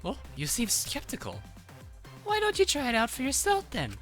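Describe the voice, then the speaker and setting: A man's voice: very high-pitched, wildly swooping pitch, normal speed, a bit bright, soft background music, pitched above the performer's own voice, full character voice. A man voicing a mischievous, gleeful male bear mascot while reading game dialogue, sly and cackling. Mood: gleeful teasing.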